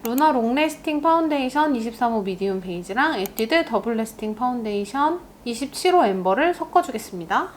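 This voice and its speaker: A young woman doing a makeup vlog in casual chat, animated and laughing often as she reads comments. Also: fairly high pitch, fairly quick, few pauses, slight background noise. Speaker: beauty YouTuber. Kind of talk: get-ready-with-me makeup vlog.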